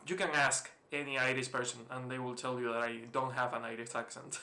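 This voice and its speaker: A man's voice: medium pitch, flat delivery, a little fast, pushed and bright. A man from Spain with a mixed, Spanish-influenced accent, rambling through casual let's-play commentary, swearing freely and chuckling often. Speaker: gaming channel host. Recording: roomy echo, faint hiss.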